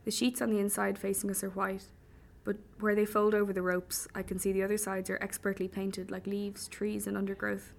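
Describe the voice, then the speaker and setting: A woman's voice: medium pitch, level tone, brisk, vocal fry, few pauses. A woman narrating a first-person audiobook in a wry, vivid manner. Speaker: audiobook reader.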